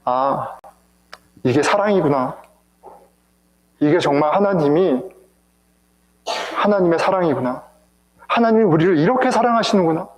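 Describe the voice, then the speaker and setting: Emotional preacher guy, high voice, big echoey church. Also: lively intonation, moderate pace, long pauses. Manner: emotional, rhetorical, addresses the congregation. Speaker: pastor. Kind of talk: sermon. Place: church sanctuary.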